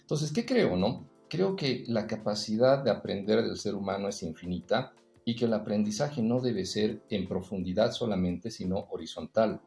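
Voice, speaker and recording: A man's voice: on the low side, moderate pace, gravelly, few pauses, a little mellow, reverberant, soft background music. A man, a podcast guest, talking reflectively in a casual interview, telling personal stories and often adding "eh" and a tag question. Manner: reflective, storytelling, frequent "eh" and tag "¿no?".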